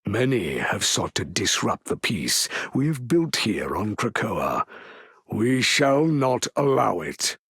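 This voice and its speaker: Statesman role: aging mutant protector, slow, gravelly, solemn, grandly formal game delivery. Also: on the low side, very animated, a bit bright, dry recording, studio quality, heavily acted. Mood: solemn resolve. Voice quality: raspy, gravelly. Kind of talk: video game voice acting.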